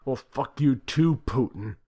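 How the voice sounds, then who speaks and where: A man voicing a furious, foul-mouthed male president who shouts and swears. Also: medium pitch, animated, a little slow, breathy edge, voice pushed up. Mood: raging. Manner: shouting, cursing.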